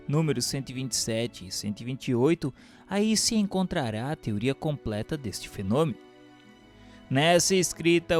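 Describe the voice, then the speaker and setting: A man giving a measured, formal reading of a spiritist book as narrator. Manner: measured, formal reading with lively pitch swings. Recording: reading with faint music underneath.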